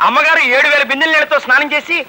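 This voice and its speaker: Brief: a bright, fast-talking servant with comic gossip. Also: male voice, extremely high pitch, fairly even intonation, heavily acted. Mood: gossipy. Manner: gossipy, deferential. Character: chattering deferential servant. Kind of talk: comic film dialogue.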